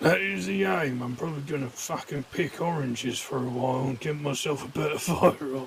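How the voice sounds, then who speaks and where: Putting on a raspy character voice, a man talks at a fairly quick pace and medium pitch with ordinary pitch variation, over clear background noise. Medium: game stream. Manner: cheeky, casual.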